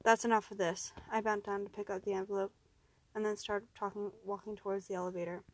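A woman narrating a first-person horror story, steady and even, rising in tense moments. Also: medium pitch, fast, dry recording.

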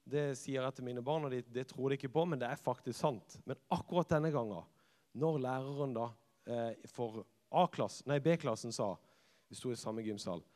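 Man, youth preacher, acts out quotes, goes loud then hushed, ordinary pitch, echoing church hall. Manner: lively storyteller who acts out quotes and drops to hushed tones. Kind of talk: personal storytelling sermon. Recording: long reverb of a church hall.

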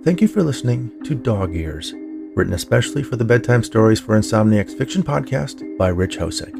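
A man's voice: on the low side, expressive, brisk, gravelly, over music. A man narrating scripted fiction in an audiobook style, as the host of a story podcast.

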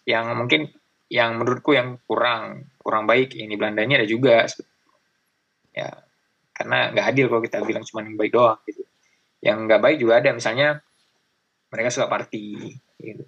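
A young man with a gravelly, husky voice chats loosely, full of fillers and little acted-out greetings. His tone is rough and not clear, and he is easygoing and talkative. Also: mid-range voice, steady tone, fairly quick, pauses often, a bit bright, dull audio. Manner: chatty, many fillers, acts out greetings. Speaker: guest. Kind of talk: casual chat.

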